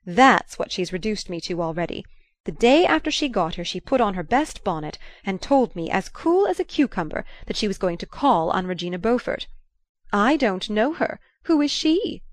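A woman voicing a shrewd, commanding old grandmother who talks in a lively, imperious way. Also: medium pitch, moderate pace, no echo, close to an everyday voice. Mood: gossipy.

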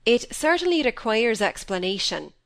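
A woman's voice: fairly high pitch, big pitch swings, moderate pace, a bit bright. A woman reading as a stern doctor father. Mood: reproving. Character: stern middle-aged male doctor and father.

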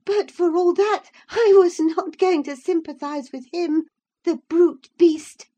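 A fierce, wounded young woman, put on by a woman reading aloud, her voice pitched high and strained. She rushes through angry outbursts, breathless and spiteful. The tone stays soft and mellow under the agitation. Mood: bitter.

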